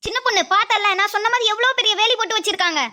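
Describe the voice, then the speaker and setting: A woman's voice: very high voice, very fast, sharp tone. A woman voicing a cautious, scolding village woman in a cartoon dub. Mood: scolding, wary. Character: wary, scolding village woman Shanthi, elder sister type.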